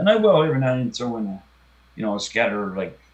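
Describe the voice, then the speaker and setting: Over noticeable background noise, a man with a strong Newfoundland accent talks at a very fast pace. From Newfoundland, Grand Bank. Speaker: country singer. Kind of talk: casual interview. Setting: radio studio, also live on TV.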